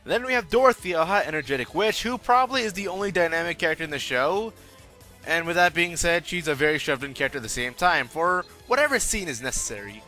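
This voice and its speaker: A man's voice: on the high side, sharp tone. A young man narrating a scripted comedic anime review with sarcastic, joking asides.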